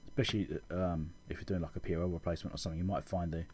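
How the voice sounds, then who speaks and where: An electronics repair video host talks very fast in a low, level voice against a noisy background. He's walking through schematics in an informal tutorial, reasoning out loud as he goes.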